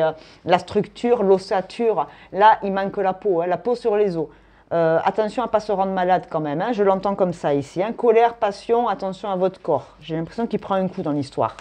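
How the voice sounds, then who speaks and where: Chatty woman reading tarot, mellow voice. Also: medium pitch. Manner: chatty, thinks aloud, frequent tag "hein". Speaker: tarot reader. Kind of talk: casual tarot and astrology reading.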